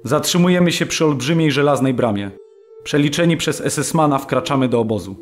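A man's voice: mid-range voice, a little fast, close to an everyday voice. Grave actor as a male prisoner narrator. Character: male Polish camp prisoner giving grave testimony. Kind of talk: dramatic reading of a prisoner's memoir in an audio drama. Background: music.

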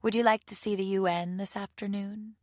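A woman's voice: medium pitch, fairly even intonation, normal speed, dry recording, studio quality, pitched above the performer's own voice, natural voice. A woman voicing a polite foreign man with a slight foreign accent, speaking formally and carefully in an audiobook.

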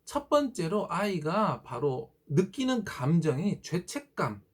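Guy w a high voice, teacher type, polite advice talk for parents, acts out little quotes. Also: big pitch swings, a little slow, breathy edge.

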